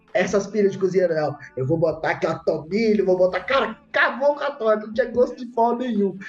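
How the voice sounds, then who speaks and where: Against noticeable background noise, a man talks fairly quickly with hardly any pauses, using a high pitch and lively intonation. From Bragança Paulista, São Paulo state, Brazil. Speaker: chef. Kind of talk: casual chat.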